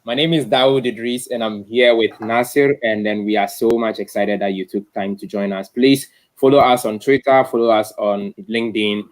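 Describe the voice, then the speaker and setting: A man's voice: on the low side, fairly even intonation, moderate pace. A man hosting an online tech talk in an informal, effusive way, often repeating himself. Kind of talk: informal live-stream hosting.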